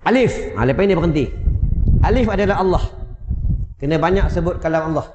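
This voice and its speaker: A man with a Malaysian Malay accent giving a religious lecture in a prayer hall, conversational and joking, at times chanting drawn-out prayers. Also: a little high, noisy background. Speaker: religious teacher. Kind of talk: mosque lecture. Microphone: wireless mic. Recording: echoey hall, dull sound.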